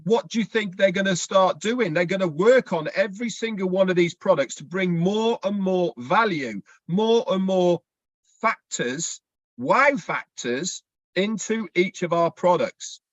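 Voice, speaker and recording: A man's voice: high-pitched, lively intonation, unhurried, dry recording, muffled recording. A man presenting on an online business chat, persuading his audience with rhetorical questions. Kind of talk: promotional talk to an audience.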